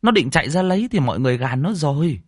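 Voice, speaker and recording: A man's voice: fairly high pitch, big pitch swings, fast, no room sound, studio quality, voice pushed up. A man voicing a chatty middle-aged village woman, telling in a raised, gossipy voice. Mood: excited recounting.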